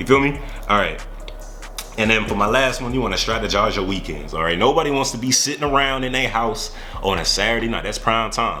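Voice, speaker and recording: A man's animated voice at a fairly quick pace, with noticeable background noise and audible room echo. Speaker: army officer and vlogger. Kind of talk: casual vlog advice.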